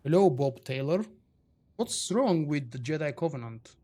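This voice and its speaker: Bulgarian guy streaming games, talks to chat a lot, kinda higher voice. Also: lively intonation, normal speed, mellow. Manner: chatty, reads and answers viewer chat. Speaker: game streamer. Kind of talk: casual live-stream chat.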